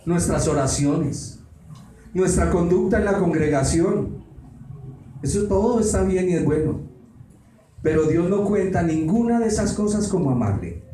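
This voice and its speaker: A man's voice: fairly high pitch, warm tone, slight background noise. A man preaching a Bible study sermon in a dramatic way, firing off rhetorical questions. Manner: dramatic, acts out quoted voices, rhetorical questions. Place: church meeting hall. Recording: echoey hall, distant mic, faint ambience.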